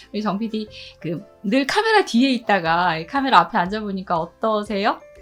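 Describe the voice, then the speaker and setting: A woman with a fairly high pitch and ordinary pitch variation talks at a moderate pace while music plays behind her. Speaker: history YouTube storyteller. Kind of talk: casual talk to camera.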